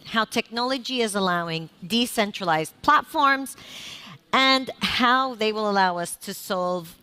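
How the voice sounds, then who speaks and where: A woman's voice: medium pitch, pushed and bright. A woman moderating a conference panel, speaking fluently and framing the discussion. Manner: fluent, composed, introduces and frames topics. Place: conference stage.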